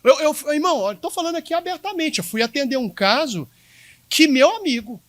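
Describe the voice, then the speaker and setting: A male pastor with a Minas Gerais Brazilian Portuguese accent preaches emphatically, speaking straight to the congregation and repeating himself. His pitch is extremely high, with lively intonation, a brisk pace, and a slightly bright tone.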